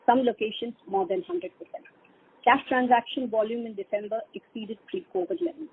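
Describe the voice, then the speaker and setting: A woman's voice: a little high, slightly rough. A woman with an Indian accent reading a scripted corporate results presentation as a bank executive on a conference call. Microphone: conference call line. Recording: dull, lo-fi conference call line.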